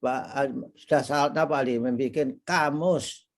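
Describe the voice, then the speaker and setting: A middle-aged man hosting an academic conversation, speaking haltingly with frequent short affirmations. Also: mid-range voice. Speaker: interview host.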